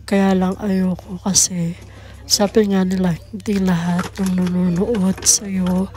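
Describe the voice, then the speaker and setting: A woman's voice: fairly low pitch, little pitch movement, takes it slowly, a little mellow, slight background noise. A young Filipino woman chatting casually as a vlogger and mother in a home family video. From Philippines. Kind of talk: casual family vlog chat.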